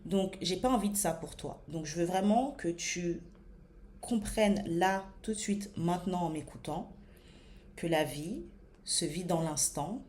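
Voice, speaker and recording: A French woman in her thirties talks straight to her viewers as a body-image coach. Her voice sits a little low, and she speaks slowly and deliberately, pausing often with fillers as she searches for words. Faint room ambience hums behind her. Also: darkish tone, a little hiss or hum. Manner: many hesitations and fillers. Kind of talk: motivational talk to camera.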